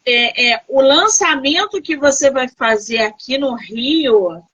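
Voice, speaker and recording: A woman's voice: high voice, animated, takes it slowly, a bit bright, slightly rough, no room sound, rough recording. A woman from Rio de Janeiro hosting a casual live interview over a video call, effusive and full of exclamations. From Rio de Janeiro, Brazil. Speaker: host.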